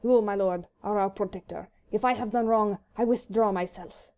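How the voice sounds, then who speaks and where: A woman's voice: medium pitch, normal speed, dull audio, natural voice. A woman voicing an offended French nobleman who speaks with stiff, formal dignity. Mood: dignified.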